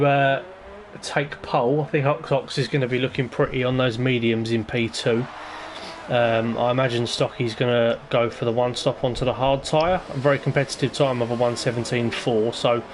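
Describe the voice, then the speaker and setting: Male league commentator, hesitant, rambling previews, mid pitch. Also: noisy background. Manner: rambling and hesitant, lots of ums. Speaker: lead commentator of an online racing league. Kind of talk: casual race-preview commentary.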